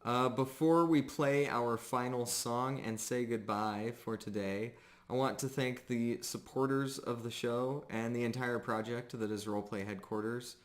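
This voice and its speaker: A man narrating a live tabletop game as game master, casual and pausing often as he goes. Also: mid-range voice, fairly even intonation.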